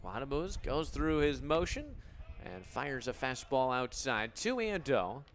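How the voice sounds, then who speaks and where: An American man in his twenties calling live baseball play-by-play for radio in a crisp, descriptive announcer delivery. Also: mid-range voice, big pitch swings, a little slow, fairly bright tone. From Illinois, United States. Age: 20s.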